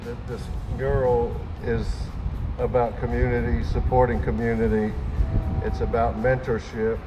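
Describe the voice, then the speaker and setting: Man making flat podium declarations. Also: mid-range voice, measured pace. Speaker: event speaker. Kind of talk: podium speech. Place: outdoors at a podium. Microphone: podium mic. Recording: dull lo-fi sound. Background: music bed.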